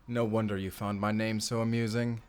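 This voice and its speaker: A man playing a suave, menacing fantasy villain in an audio drama, speaking with theatrical, deliberate politeness and command. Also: on the low side, flat delivery, a little hiss or hum, lightly acted. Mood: sly, intrigued. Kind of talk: audio roleplay acting.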